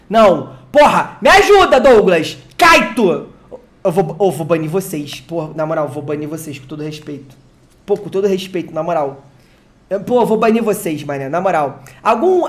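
An excitable, slangy streamer from Brazil opening card packs live, who swears and jokes with chat. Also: mid-range voice. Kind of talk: live unboxing chat with viewers.

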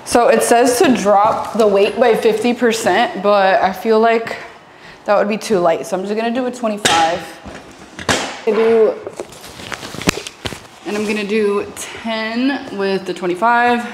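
A woman's voice: medium pitch, steady tone, unhurried, echoey room, background noise. Chatty giggly young woman in home gym. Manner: chatty and giggly, dropping Spanish phrases. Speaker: fitness vlogger. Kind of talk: casual vlog chat to camera. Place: small home gym, indoors. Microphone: lapel mic.

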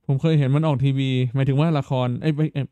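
A man's voice: mid-range voice, level tone, quick pace, dark tone, no room sound. A man hosting a casual live stream, thinking aloud, stammering, repeating words and asking his viewers questions. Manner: talks straight to viewers, asking them questions. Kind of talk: casual live-stream chat while playing.

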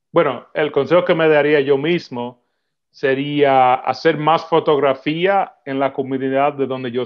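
A man, chatting as a podcast guest in a relaxed way, laughing often and repeating words as he thinks, on a video call from home. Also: medium pitch. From Dominican Republic heritage, raised in New York. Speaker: podcast guest, film photographer. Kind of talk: casual interview chat. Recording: slightly dull video-call audio.

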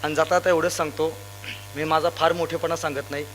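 A young man from Sangli district, Maharashtra, giving a loud, emphatic motivational stage speech full of anecdotes. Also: a little high, level tone, a little fast, slight background noise. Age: young adult. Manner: loud, emphatic, rousing, addresses crowd directly. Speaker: motivational speaker.

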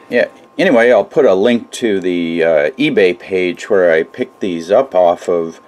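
A middle-aged man casually narrating a hands-on repair in his workshop, thinking aloud with halting fillers, recorded on the camera mic. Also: fairly low pitch, darkish tone. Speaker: DIY repair vlogger. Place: garage workshop and shed.

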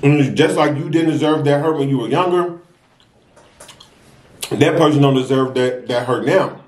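A young American man chatting casually and earnestly to viewers while eating, unhurried between bites. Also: fairly high pitch, a little mellow. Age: young adult. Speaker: mukbang vlogger. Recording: roomy, echoey sound.

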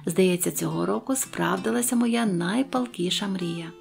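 A woman's voice: mid-range voice, moderate pace, creaky, faint music behind. A woman doing a cheerful old male suitor. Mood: joyful. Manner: cheerful, warm.

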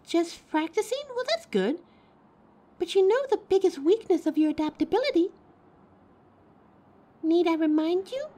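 A woman's voice: very high voice, expressive, normal speed, pauses often, warm tone. A woman playing a wisecracking thief with a playful, teasing way of talking in an audio drama. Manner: playful banter. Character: teasing, wisecracking female thief planning a heist.

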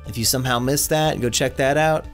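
A man's voice: medium pitch, brisk. A man with an ordinary mid-range voice hosts a casual gaming chat from home, wry and offhand, swearing freely. A faint music bed sits underneath. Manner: wry, reads viewer questions, swears casually. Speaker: co-host.

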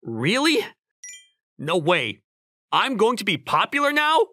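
Awkward single young man, played by a male actor, wry and self-questioning, animated delivery for a manga romcom. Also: high-pitched, takes it slowly, dry recording, studio quality, exaggerated voice. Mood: surprised. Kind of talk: manga dub acting and narration. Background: music.

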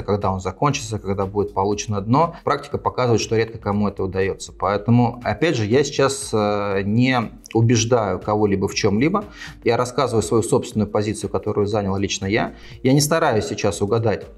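A man in his forties hosting an investment channel, explaining to camera with frequent fillers, recorded on a lapel mic in a small indoor set. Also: on the low side. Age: 40s. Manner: fast, measured advisory delivery with frequent fillers. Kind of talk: talking-head explainer to camera. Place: small indoor studio set with desk and lamp.

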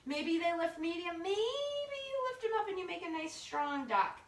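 A woman's voice: extremely high pitch, big pitch swings, normal speed. A woman leading a yoga class with playful, informal, encouraging step-by-step cues, recorded from across a living room. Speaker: yoga instructor. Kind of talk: guided yoga class instruction. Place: living room at home, indoors. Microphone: far camera across the room. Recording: roomy home sound, distant camera mic.

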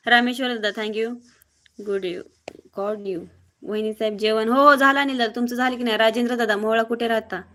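A woman from Maharashtra hosting a live stream, briskly greeting viewers by name and reading their comments aloud in a blunt, outspoken way. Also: fairly high pitch, fairly even intonation, a bit bright. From Maharashtra, near Mohol. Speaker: livestreamer.

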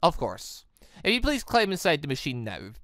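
A woman voicing a calm, grave older male headmaster in a visual novel, measured, formal and halting. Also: sits low, no room sound, clean studio sound. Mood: reassuring.

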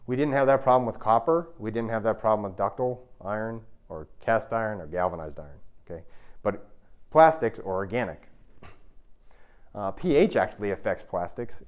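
An American man in his thirties lecturing to an audience in an emphatic, explanatory manner, often checking in with the listeners. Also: on the low side. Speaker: university researcher giving a public talk. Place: indoor lecture room with an audience.

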